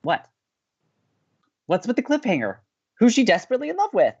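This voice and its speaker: An actor playing a romantic, excitable young man who co-hosts college radio in an audio drama, earnest and expressive. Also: very high-pitched, fairly quick, slightly rough, lo-fi sound, heavily acted. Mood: eager, excited. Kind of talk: naturalistic audio drama acting.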